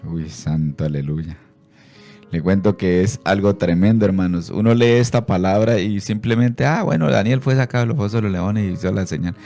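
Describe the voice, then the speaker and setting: A man preaching on Christian radio, fervent, often calling out to his brothers and rising into loud, high preaching. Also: moderate pace, soft background music. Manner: fervent, repeats "hermano" and "aleluya". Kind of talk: radio sermon.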